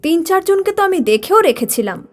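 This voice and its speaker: A woman's voice: extremely high pitch, big pitch swings, fairly quick, voice pushed up. A woman voicing a fussy scolding mother. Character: worried middle-aged mother, fussy.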